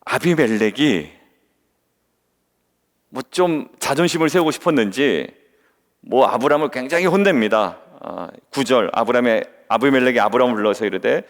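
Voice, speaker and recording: A man's voice: mid-range voice, lively intonation, moderate pace. A male pastor preaching an early-morning devotional sermon, often questioning his congregation and acting out the voices he quotes. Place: church sanctuary. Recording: long reverb of a church hall.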